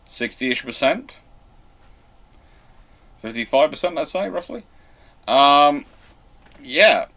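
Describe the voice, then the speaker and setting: A man hosting a live question and answer stream in a casual way, halting as he thinks aloud. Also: fairly high pitch, animated, sharp tone.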